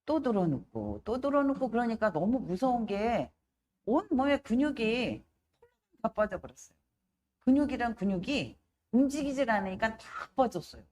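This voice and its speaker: A middle-aged woman evangelist giving a spoken testimony, telling her story in a lively, animated way and acting out the voices of people in it. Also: a little high, normal speed. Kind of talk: testimony sermon.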